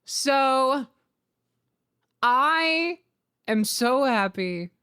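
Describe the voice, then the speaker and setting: A woman's voice: high voice, lively intonation, drawn-out words, pushed and bright, smooth. A woman streamer chatting casually and informally to viewers, often thinking aloud, on a close mic. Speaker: streamer and host. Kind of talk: casual livestream chat.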